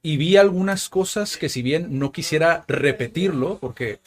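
A man's voice: on the high side, moderate pace. A man hosting a casual interview podcast. He asks questions in a friendly, loose way and often ends with a tag question. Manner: friendly, loose, frequent "¿no?" tags. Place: indoor arcade.

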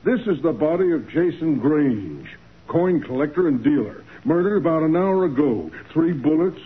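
A harried, plain-talking police detective in a 1940s radio play. His voice is fairly high and husky, on a muffled, narrow recording. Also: expressive, normal speed. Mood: grim, urgent. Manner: blunt, colloquial. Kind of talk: 1940s radio drama acting.

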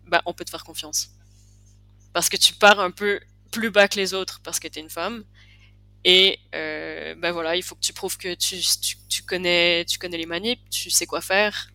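A woman from Quebec with a softened Québécois accent, chatting as a podcast guest in a thoughtful way, often restarting her sentences as she searches for words. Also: fairly low pitch, smooth, dry recording. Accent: Québécois, partly softened. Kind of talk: casual podcast chat.

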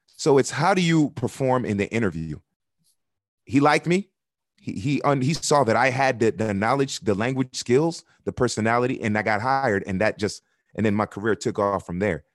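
Candid, earnest soccer broadcaster, dry sound. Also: male voice, mid-range voice, animated, moderate pace, dry recording. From Miami, United States. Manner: candid and earnest, builds points with repetition. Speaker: soccer broadcaster, podcast guest. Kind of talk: podcast interview.

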